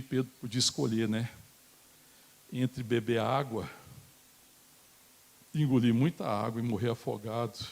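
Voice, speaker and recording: A man with a Brazilian Portuguese accent preaching a sermon in a church, impassioned, building up to shouted pleas. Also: mid-range voice, slightly rough. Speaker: pastor.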